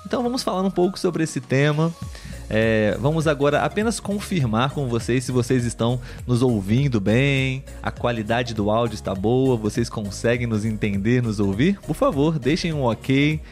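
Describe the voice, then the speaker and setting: A Brazilian man hosting a live podcast chat for learners of Portuguese, speaking clearly and in a measured way and often checking in with his co-host. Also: medium pitch, expressive, darkish tone, soft background music.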